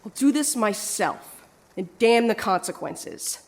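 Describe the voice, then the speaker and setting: A woman's voice: medium pitch, expressive, a little slow. A woman playing a stubborn young courier in an audio drama, guarded and earnest. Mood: defiant.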